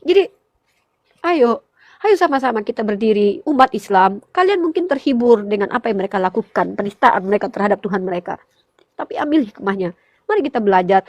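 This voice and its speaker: A woman's voice: mid-range voice, lively intonation, fairly quick, a little mellow, dry recording, dull audio. A woman, a Muslim apologetics speaker, giving an impassioned religious exhortation, fervent and pleading, addressing listeners as brothers in faith. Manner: fervent, pleading, rising to emotional peaks.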